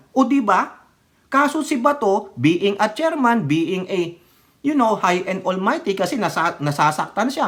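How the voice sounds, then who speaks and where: A woman vlogger giving opinionated political commentary, switching between Tagalog and English mid-sentence and scolding with rhetorical questions. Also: a little high. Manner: rhetorical, scolding, keeps asking "right or wrong?".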